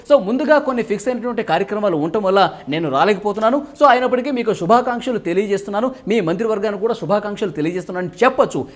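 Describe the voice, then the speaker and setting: A man giving live news reporting and political analysis, repeating points and often starting phrases with "so". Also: sits high.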